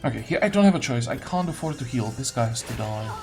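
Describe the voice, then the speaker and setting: A man's voice: mid-range voice, animated, fast, darkish tone, soft background music. A man giving casual video game commentary, grumbling and thinking aloud as he plays. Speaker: gaming video host.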